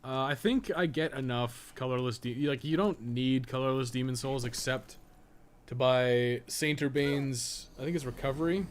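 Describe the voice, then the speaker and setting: A man's voice: medium pitch, moderate pace. A man giving casual live gameplay commentary, rambling and thinking aloud with casual swearing. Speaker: game streamer and podcast co-host.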